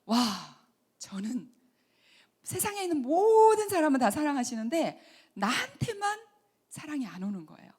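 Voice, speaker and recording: A middle-aged woman giving a Christian lecture on healing, talking earnestly and dropping to soft whispers for emphasis. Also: high voice, sing-song, normal speed. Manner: earnest, acts out mothers and children in quoted asides. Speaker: counseling center director giving a lecture.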